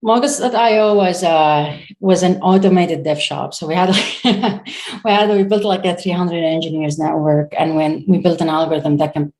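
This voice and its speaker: Low-voiced woman founder from Syria. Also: steady tone, a little mellow. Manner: halting, searches for words with frequent pauses. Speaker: startup founder, guest. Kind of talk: casual interview answers.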